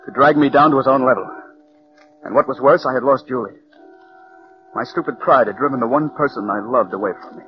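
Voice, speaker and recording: An actor playing a nervous writer who stammers and broods over murder, in 1940s radio style. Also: male voice, mid-range voice, lightly acted. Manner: stammering when pressed, brooding in narration. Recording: dull old radio broadcast, music behind.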